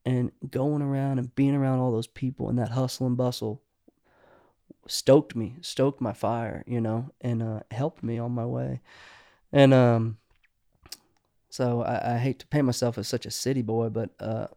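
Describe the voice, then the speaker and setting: A man's voice: medium pitch, level tone, unhurried, warm tone, dry recording, clean studio sound. A middle-aged man, a songwriter guest, talking casually and rambling with many restarts. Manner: rambling, restarts often, says "you know" a lot. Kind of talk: casual podcast conversation.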